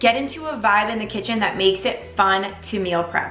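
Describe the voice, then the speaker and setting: There is faint background music and audible echo from the room. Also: woman. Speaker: cooking vlogger. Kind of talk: casual vlog chat. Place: kitchen.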